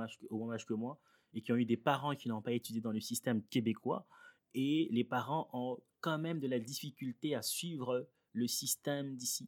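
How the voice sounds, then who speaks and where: A man with a plain, everyday voice speaks at medium pitch and a moderate pace with fairly even intonation, in a very clean, dry, close recording with a silent background and no echo. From Congo, then Quebec from age 12. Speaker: guest speaker on racism. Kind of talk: interview.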